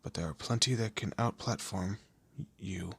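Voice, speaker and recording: A man playing a commanding, teasing demon lord in an audio roleplay, with a low gravelly, husky voice and an imperious, theatrical manner. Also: moderate pace, dry recording, heavily acted. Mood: stern, threatening. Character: male demon lord, commanding, menacing, teasing boss of hell. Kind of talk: scripted audio roleplay addressed to the listener.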